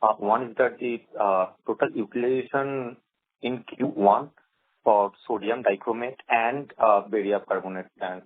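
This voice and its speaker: A man with an Indian accent puts questions to management on a conference call. He is halting and doubles up words, with a slightly rough, mid-pitched voice. The sound is narrow telephone audio. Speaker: individual investor asking questions. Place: phone call. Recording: tinny phone line, radio-like.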